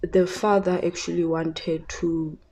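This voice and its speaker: Soft-spoken, hesitant woman. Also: fairly low pitch, level tone, slow pace. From South Africa. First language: Tshivenda. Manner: hesitant, many fillers and restarts. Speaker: tarot reader. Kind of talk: casual psychic reading.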